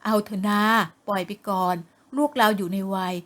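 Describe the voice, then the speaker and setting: A woman voicing an easygoing, indulgent middle-aged father who talks in a calm, coaxing way. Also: mid-range voice, moderate pace, close to an everyday voice.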